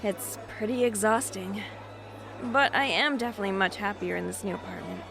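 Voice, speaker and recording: An actress plays a young woman in her twenties, a cautious, overworked homebody. Her delivery is understated and a little hesitant, at a middle pitch. Music plays clearly behind her naturalistic audio drama dialogue. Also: brisk, close to an everyday voice. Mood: casual, content. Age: 20s.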